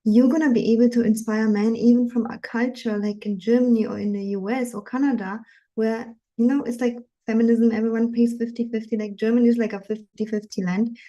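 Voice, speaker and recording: Young woman, dating coach, animated live-webinar delivery, fairly high but mellow voice. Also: a little fast, highs cut off. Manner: earnest, animated, frequent fillers.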